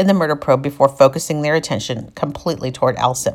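A woman speaks at a very fast pace with a very deep, low pitch. Her intonation is lively. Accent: American. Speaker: true crime podcaster. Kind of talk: true-crime narration. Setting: home recording. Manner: conversational.

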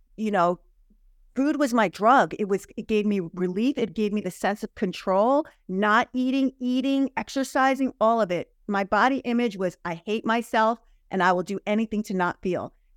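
A woman with an unremarkable speaking voice talks at a moderate pace, her pitch fairly high with ordinary variation. The sound is dry and close with no echo, on a very clean recording with a silent background. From Spain, moved to the US at about age 12. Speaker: fitness business owner in addiction recovery. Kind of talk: interview testimony.

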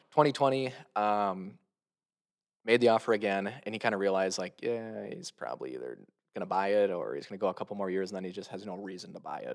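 A man's fairly low voice with an American accent at a very fast pace. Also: ordinary pitch variation, big swings in loudness. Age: 20s. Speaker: business owner, podcast co-host. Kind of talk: casual chat.

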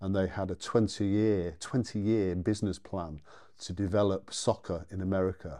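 A man with a Mancunian accent speaks in a very deep, low pitch with a dark, mellow tone and fairly even intonation against a quiet background. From Manchester, England. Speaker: drummer and drum teacher. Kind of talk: casual interview. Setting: his drum studio.

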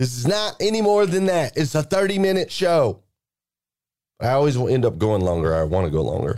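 The tone is animated, with very wide pitch swings. Loudness stays very even at a fairly quick pace. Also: man, fairly high pitch for a man. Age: 40s. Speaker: motivational livestream host. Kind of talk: motivational livestream monologue. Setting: livestream from home studio.

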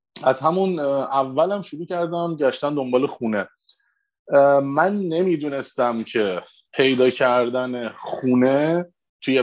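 This man has a plain, everyday voice. He speaks at a fairly slow pace with ordinary pitch variation. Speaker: emigrant sharing experiences. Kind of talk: casual chat.

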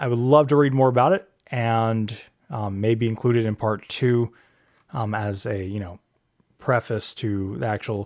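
In a very clean recording with a silent background, a man speaks at a medium pitch with fairly even intonation. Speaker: podcast host. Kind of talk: solo educational monologue on church history. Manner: fast; halting with many fillers.

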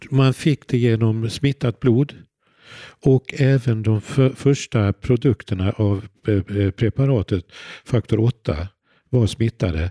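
In a very clean recording with a silent background and a dry, close sound with no echo, a man with a dark, mellow tone talks at a very slow pace with long, frequent pauses, very even loudness and ordinary pitch variation. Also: medium pitch for a man. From Sweden, Bohuslän; lived in Skåne 50 years. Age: 70s. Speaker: hemophilia patient. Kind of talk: personal conversation, life story. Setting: office.

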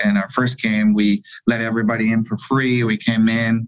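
A man with a Spanish accent speaks at a moderate pace and medium pitch, keeping his intonation fairly even. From Colombia, Bogota. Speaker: football club owner. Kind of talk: interview.

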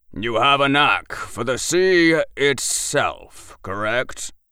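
Doing a put-on character voice, a man talks very slowly at a fairly high pitch. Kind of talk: formal scholarly speech. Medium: read story. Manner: formal, polite, measured.

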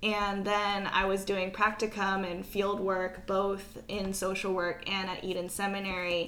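In an American accent, a woman speaks at a fairly slow pace with a medium pitch, monotone and flat intonation, and hardly any pauses, in a room with audible echo. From Silicon Valley, California. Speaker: podcast co-host, social worker and minister. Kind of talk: casual chat.

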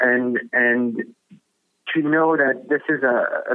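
This man speaks with a French accent. His pitch is medium. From France, Paris. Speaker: film producer and film historian. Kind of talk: interview.

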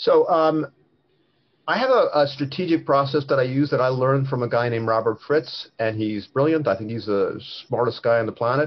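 Here is a man with a plain, everyday voice and an American accent. His pitch is fairly high with ordinary variation, and he speaks at a fairly quick pace. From US Northeast (Brooklyn, New York). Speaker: marketing consultant. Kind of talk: casual chat.

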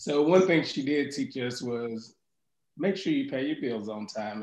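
Speaking at a moderate pace with lively intonation, a man with an American accent has an unremarkable speaking voice. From Tennessee (Nashville), via Florida. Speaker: real estate agent. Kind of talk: casual interview.

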